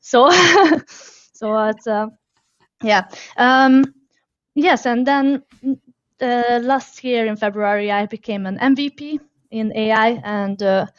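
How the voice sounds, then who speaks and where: A woman in her thirties, originally from Hungary, tells her story as a guest in a casual interview. Her voice sits a bit high, and she stumbles through fillers and restarts with frequent laughs. The sound is dry and somewhat dull. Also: slow, no echo. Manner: hesitant, many fillers and restarts, laughs often.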